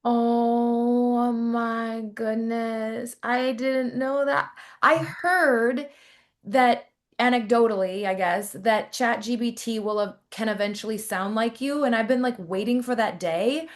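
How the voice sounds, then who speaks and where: A woman hosting a casual podcast interview, reacting quickly and eagerly to what her guest says. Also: on the high side. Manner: excitable, quick to react with surprise. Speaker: podcast host.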